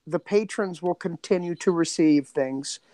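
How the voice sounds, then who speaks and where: A man co-hosting a podcast, chatting casually in an animated, joking way. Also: a little high, unhurried, no echo. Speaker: podcast co-host and producer.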